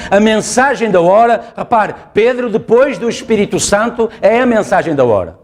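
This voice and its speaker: A male pastor with a European Portuguese accent, preaching emphatically and repeating his phrases. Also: high voice. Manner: emphatic, repeats phrases, asks the congregation "está a ver?". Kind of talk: sermon. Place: church.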